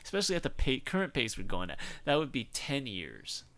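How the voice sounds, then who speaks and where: A man's voice: mid-range voice, wildly swooping pitch, fairly quick, fairly bright tone. A man co-hosting a podcast, chatting casually, rambling and restarting his sentences, often breaking into laughter. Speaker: podcast co-host. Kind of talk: casual chat.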